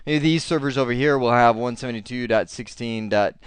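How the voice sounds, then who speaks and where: A man teaching a casual IT lesson, talking in an animated, rambling way with many fillers and restarts. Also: medium pitch, fairly quick, clean tone, dry recording. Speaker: IT instructor.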